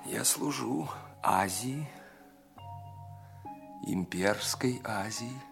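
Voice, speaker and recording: An actor in an audio play voicing a cunning, embittered spy with a deliberate, theatrical delivery that moves between hushed and emphatic. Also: male voice, medium pitch, gravelly. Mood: bitter, menacing. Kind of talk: dramatic audio play acting. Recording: music under the voice. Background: music.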